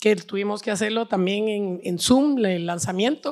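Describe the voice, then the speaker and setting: Against a quiet background, a woman talks at a fairly slow pace. Her pitch is fairly high, with ordinary variation. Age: 60s. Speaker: author. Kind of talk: interview at book launch. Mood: warm, reflective. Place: studio. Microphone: handheld.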